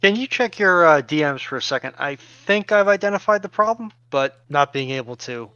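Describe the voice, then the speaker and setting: Guy doing casual tech help, clear sharp voice, kinda dull lo-fi call audio. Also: fairly high pitch, lively intonation, moderate pace, dry recording. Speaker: stream technical helper. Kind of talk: casual technical troubleshooting talk.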